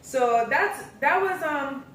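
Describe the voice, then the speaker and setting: A woman vlogger tells stories in a chatty, animated way. Her voice is bright and fairly high. She sits some distance from the mic in an echoey room with faint noise behind her. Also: slow pace. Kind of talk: casual storytelling chat.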